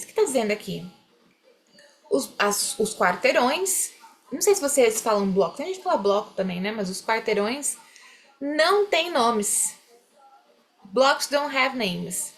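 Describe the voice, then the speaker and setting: A young woman teaching an online English class, explaining in Portuguese and slowing down to model English words, often checking in with her students. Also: mid-range voice.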